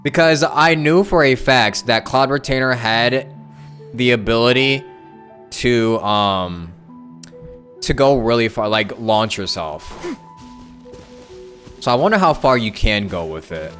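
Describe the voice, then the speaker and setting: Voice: medium pitch, animated, slow pace, pauses often, fairly bright tone. A game streamer chatting casually, musing aloud and reacting to the game. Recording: faint game music behind.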